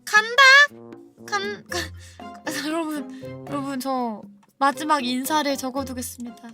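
A woman's voice: sits high, a little slow, over music. A woman livestreamer chatting casually with viewers in a cute, playful, dramatic anime-style manner. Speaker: livestreamer host.

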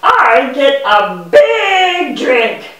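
A woman voicing a gentle, polite talking bee in a children's puppet show, explaining things simply and theatrically. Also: sits high, big pitch swings, extremely slow, a little hiss or hum, exaggerated voice. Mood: earnest explaining. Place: indoor room with puppet stage. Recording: echoey room, distant microphone.

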